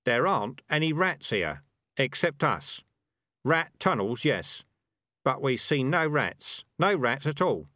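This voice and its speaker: A man voicing a tough, lean male rat sergeant in a storybook, brisk, wary and commanding. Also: medium pitch, big pitch swings, bright, forceful tone, no room sound, clean studio sound, voice pushed up, full character voice.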